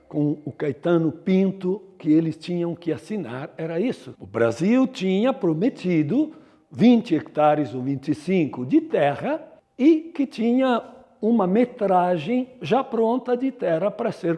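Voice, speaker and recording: A man's voice: high voice, very animated, measured pace, dark tone. A man with a Brazilian Portuguese accent talking conversationally about history in an interview.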